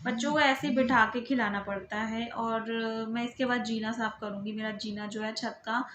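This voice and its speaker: A fairly high-voiced woman in her thirties talks through her day as a home vlog voice-over. She chats easily and conversationally, often checking in with the listener with little tag questions. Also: fairly even intonation, moderate pace, fairly bright tone, slight background noise. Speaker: vlogger and mother.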